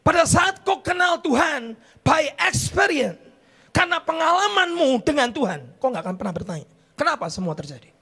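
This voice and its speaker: A middle-aged male pastor preaching a sermon in church, mixing in English phrases and rising to shouts. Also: very high voice, very animated, normal speed.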